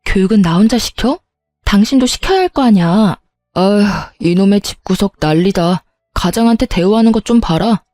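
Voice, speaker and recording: Woman doing a shouting, bullying dad, mid-aged, curt, in a dark, dry voice over faint music. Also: mid-range voice, animated, normal speed, no echo, close to an everyday voice. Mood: angry. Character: angry middle-aged husband and father.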